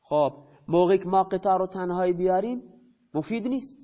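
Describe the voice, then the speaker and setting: A man teaching a grammar lesson. He asks his own questions and answers them, and he repeats key terms slowly. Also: high-pitched. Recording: dull lo-fi recording.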